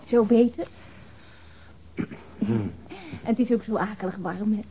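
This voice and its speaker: A woman's voice: medium pitch, very animated, a little slow, warm tone, slight background noise. An actress playing a casual, chatty, slightly uneasy young woman in a radio drama, informal and rambling. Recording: dull, band-limited audio.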